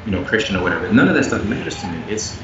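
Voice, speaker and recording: Interview guest: earnest man with a low voice, recorded far off the mic in an echoey space. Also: very fast. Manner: earnest, animated, rising in pitch when making a point. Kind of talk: candid conversational interview. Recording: echoey, muffled, noisy remote audio.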